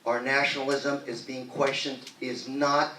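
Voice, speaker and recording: A man answering as a candidate in a political debate, earnest and measured. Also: medium pitch, flat delivery, sharp tone, a little hiss or hum. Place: debate hall. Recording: echoey hall from far off.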